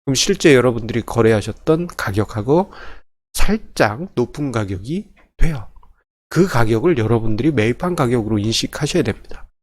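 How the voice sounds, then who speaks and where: A man with a medium-pitched, animated voice teaches personal finance in an informal spreadsheet tutorial, going step by step at a moderate pace with no echo. He sounds conversational and polite, often correcting himself as an instructor.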